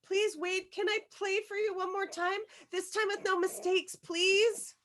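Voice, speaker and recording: Casting: awkward love-struck girl played by a woman, high-pitched, slow delivery, earnest and pleading, film table read. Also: steady tone, fairly bright tone. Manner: earnest, imploring.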